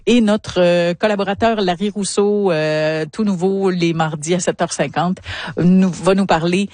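A woman's voice: fairly low pitch, fairly even intonation, unhurried, darkish tone, no room sound. A woman hosting a morning radio show with a Québécois French accent, chatty and full of fillers and asides.

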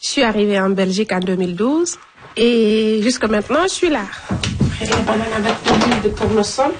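A woman's voice: medium pitch, fairly quick, background noise. A young woman in her twenties from Guinea, talking informally while she cooks. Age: 20s. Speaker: interviewee. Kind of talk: casual talk while cooking.

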